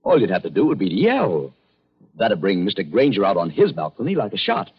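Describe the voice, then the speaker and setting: A jittery young honeymoon husband in an old radio thriller, protective and easily exasperated. His lowish voice moves around a lot in pitch, and the recording is dull with age. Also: huge pitch swings, a little fast, husky, full character voice. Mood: anxious, reassuring. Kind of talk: old-time radio drama acting.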